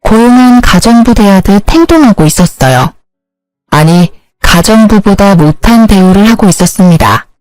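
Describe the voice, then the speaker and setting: A woman narrating her own story in a plain, steady, scripted way. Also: mid-range voice, moderate pace, dry recording, soft background music, low-quality recording.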